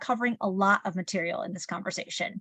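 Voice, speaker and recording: Somewhat breathy, a woman with a Midwestern accent is heard in a dry, close sound with no echo and a quiet background. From Michigan, Detroit area. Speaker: public affairs consultant and trainer. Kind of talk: webinar training. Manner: animated.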